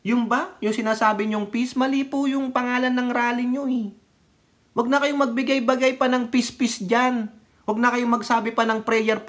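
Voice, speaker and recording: Sarcastic high-voiced Filipino man vlogging. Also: a bit bright. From Philippines. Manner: sarcastic, mocking, laughs often, mixes English phrases. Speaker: political vlogger. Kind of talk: casual ranting political commentary.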